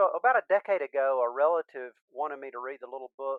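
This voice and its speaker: A man with a Southern US accent speaks in a fairly high voice. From US South, Georgia. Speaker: author and educator. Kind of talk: interview. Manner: halting, repeats words.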